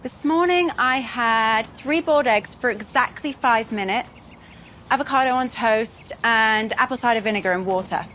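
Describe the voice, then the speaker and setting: A woman's voice: a little high, normal speed, a bit bright, slight background noise. A woman giving detailed, matter-of-fact answers about her morning routine. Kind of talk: casual interview answers.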